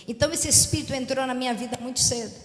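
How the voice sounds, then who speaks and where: A woman's voice: sits high, rapid-fire. A woman pastor giving an earnest, confiding personal testimony within a sermon. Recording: echoey hall reverb.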